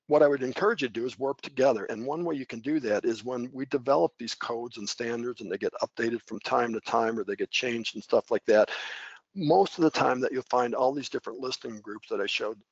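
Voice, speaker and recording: A man's voice: medium pitch, no echo. A middle-aged man giving an unscripted training webinar over slides, folksy and conversational with frequent fillers and restarts. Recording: dull, dry webinar audio.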